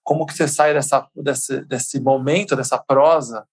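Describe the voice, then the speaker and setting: Creaky, husky podcast host. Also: male voice, mid-range voice, steady tone, normal speed. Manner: warm, effusive and repeats words. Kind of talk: casual interview chat.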